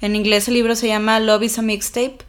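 Young woman co-host, casual expressive chat, a bit high-pitched, soft trailing asides. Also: brisk. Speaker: podcast co-host.

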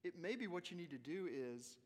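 Southern man teaching informally, higher-pitched, reverberant hall. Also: lively intonation, darkish tone. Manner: informal, halting, rephrases as he goes. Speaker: preaching teacher leading a question session. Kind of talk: casual teaching talk, answering questions. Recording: long reverb of a large hall.

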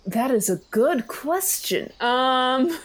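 A woman's voice: high voice, lively intonation, slow, low-quality recording. A woman playing a tabletop game, chatting in a hesitant, easygoing way. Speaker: player. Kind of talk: casual game chat.

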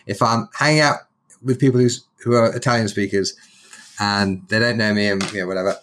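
A man's voice: lowish voice, steady tone, brisk, fairly bright tone. A man, hosting a podcast in a chatty, humorous storytelling way. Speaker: podcast host. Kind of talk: casual podcast interview.

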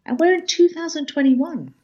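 A woman's voice: high voice, normal speed, mellow, dull audio. A woman speaking as a diversity and inclusion consultant, emphatic, with frequent restarts and repeated words. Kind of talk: conversational interview talk.

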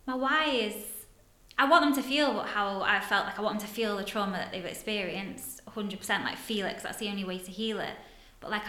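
Chatty woman, bright voice. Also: medium pitch, roomy sound. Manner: chatty, uses many fillers like "like". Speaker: guest, therapist for women. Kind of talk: casual podcast conversation.

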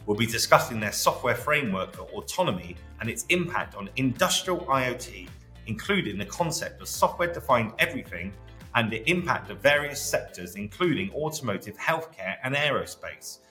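Guy hosting a podcast, bright voice, upbeat, lots of ums, echoey room, soft music behind. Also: medium pitch, big pitch swings, a little fast. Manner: upbeat, uses many fillers. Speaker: podcast host.

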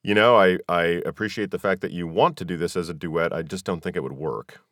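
Deep-voiced male podcast host, dry sound. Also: fairly quick, fairly bright tone, dry recording. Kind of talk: casual podcast interview.

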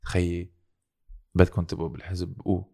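Deep, gravelly, fast-talking Lebanese-accented man. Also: monotone, mellow. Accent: Lebanese Arabic. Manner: code-switches into English; insistent, repeats points. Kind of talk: casual political discussion.

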